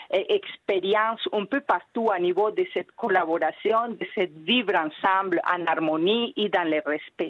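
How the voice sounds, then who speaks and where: With lively intonation, a woman speaks at a very slow pace in a medium pitch. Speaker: immigrant integration director. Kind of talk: interview.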